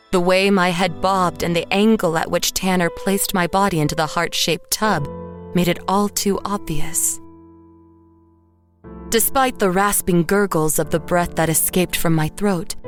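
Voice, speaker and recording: An actress playing a haunted woman painter who narrates horror in a measured, literary way. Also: fairly low pitch, faint music behind, natural voice. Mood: grim, resigned. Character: haunted woman painter narrating her own murder, dazed and grim. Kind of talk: first-person horror audio drama narration.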